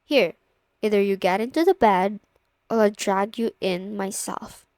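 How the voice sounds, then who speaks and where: A woman's voice: mid-range voice, a little slow, a little mellow, no room sound, clean studio sound, lightly acted. A young woman playing a confident, teasing older sister of a best friend in an intimate, casual ASMR roleplay spoken to the listener. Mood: playfully insistent.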